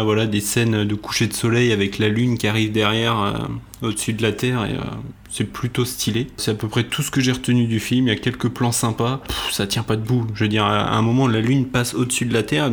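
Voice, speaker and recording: A man giving a hesitant, rambling film review on a casual podcast. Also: medium pitch. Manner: rambling, hesitant, many fillers. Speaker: podcast co-host.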